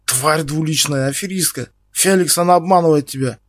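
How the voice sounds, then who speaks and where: A man's voice: medium pitch, level tone, moderate pace, no room sound, natural voice. A man voicing a crude young male hustler who snarls and bullies. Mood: snarling.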